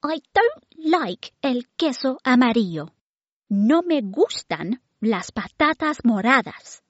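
A woman's voice: high-pitched, sing-song, slow pace, no echo, muffled recording, voice pushed up, exaggerated voice. A woman voicing a demanding, picky talking baby girl with a whiny, giggly way of talking.

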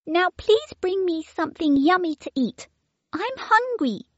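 A woman's voice: very high-pitched, lively intonation, a little slow, fairly bright tone, no room sound, lo-fi sound, pitched above the performer's own voice, full character voice. A woman voicing a demanding, picky talking baby girl with a whiny, giggly way of talking.

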